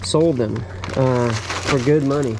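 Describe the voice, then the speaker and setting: A middle-aged storage unit reseller chats casually while unboxing in a storage unit, bursting into excited exclamations over his finds. He speaks slowly with a medium-pitched voice, recorded on a head-mounted action camera with background noise.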